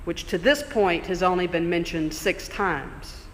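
A man preaching a sermon in a church, conversational and explanatory, slowing down for emphasis. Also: high-pitched, a bit bright, slight background noise. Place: church sanctuary. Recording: long church reverb.

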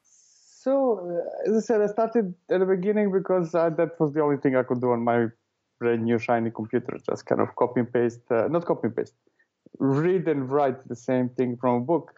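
A man's voice: mid-range voice, moderate pace, warm tone, dull audio. A man from Serbia answering interview questions casually, with hesitant talk full of fillers and restarts. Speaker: guest, author and consultant.

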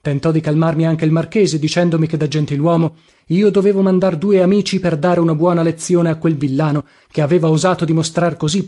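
A man narrating a classic novel in the first person, expressive and dramatic in his reading. His voice sits a little higher than most men's. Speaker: audiobook narrator.

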